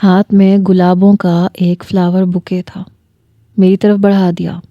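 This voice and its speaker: A woman storyteller reading a first-person romance story in a measured, unhurried, intimate way. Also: fairly low pitch, level tone, no echo, lo-fi sound.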